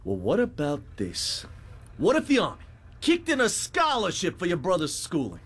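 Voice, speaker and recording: A smooth-talking army captain, played by a man in a stage play. His polite, coaxing voice moves lively up and down. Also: high-pitched, normal speed, voice pushed up, exaggerated voice. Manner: polite, coaxing, deferential to superiors.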